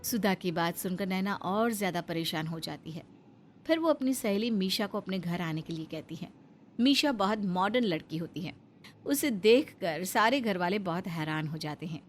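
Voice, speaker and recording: A woman narrating a cartoon story in a calm, scripted storytelling manner. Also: lowish voice, moderate pace, faint music behind.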